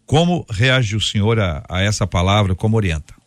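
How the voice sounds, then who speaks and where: A Brazilian man with a fairly low voice hosts a religious talk programme. He moderates deliberately, building questions and introductions phrase by phrase. The sound is dry and free of echo. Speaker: radio debate host.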